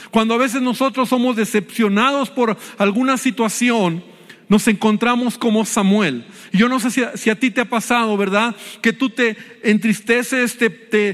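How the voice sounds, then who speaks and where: A man's voice: very high-pitched, a bit bright, in a large hall. A man with a Mexican Spanish accent preaching a sermon as pastor, addressing his listeners as brother.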